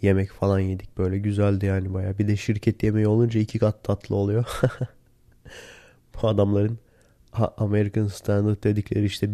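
A man with a hoarse, worn-out voice, sick and tired, chatting casually alone into a close recorder. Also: fairly low pitch, warm tone, dry recording. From Turkey. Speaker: podcast host. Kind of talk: casual solo podcast chat. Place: in bed at home. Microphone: handheld voice recorder, close.

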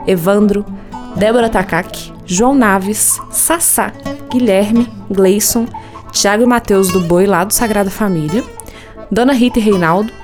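A woman's voice: medium pitch, a little mellow. A Brazilian woman reading scripted credits as the narrator of a radio serial. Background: music with plucked guitar.

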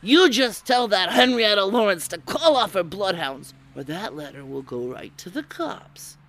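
A woman's voice: mid-range voice, animated, moderate pace, fairly bright tone. A woman playing a tough, threatening lady wrestler in an old-time radio noir parody, hard-boiled and brusque.

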